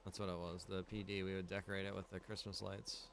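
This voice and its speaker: A man with a fairly low voice talks informally while playing a game on stream. He half talks to himself and grumbles mildly. Faint noise sits behind his voice. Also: level tone, fast, vocal fry. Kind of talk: casual chat while gaming.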